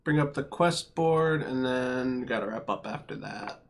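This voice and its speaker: A man's voice: medium pitch, moderate pace, creaky, slight background noise. Hesitant man running a tabletop game. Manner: hesitant, filler-heavy narration. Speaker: game master.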